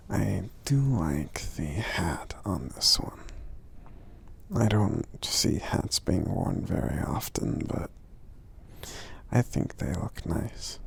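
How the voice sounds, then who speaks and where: Another take on the gentle giant: a man's low, exaggerated voice, breathy and gravelly, stays soft and hesitant in this ASMR roleplay. He frequently slips close to a whisper and fills the gaps between phrases with murmured hums.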